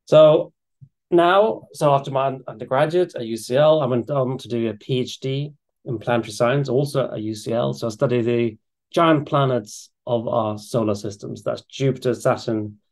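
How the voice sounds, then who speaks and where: A man's voice: medium pitch, normal speed, a little mellow. A middle-aged man from Sweden giving a public science lecture over a video call, talking in a chatty, eager way with restarts and fillers. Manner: enthusiastic, conversational, with frequent restarts and fillers. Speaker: astrophysics lecturer. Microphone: webcam or desk mic on a video call.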